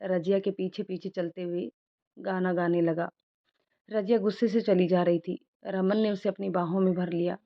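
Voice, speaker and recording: A woman narrating an animated moral story in a plain, steady storytelling voice. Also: lowish voice, normal speed. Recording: dull lo-fi recording.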